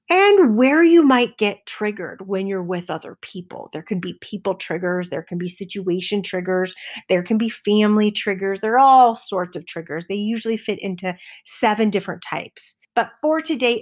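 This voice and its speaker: A middle-aged woman hosting a motivational podcast, enthusiastic, sometimes dropping to a soft whisper for emphasis. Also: medium pitch. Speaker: podcast host.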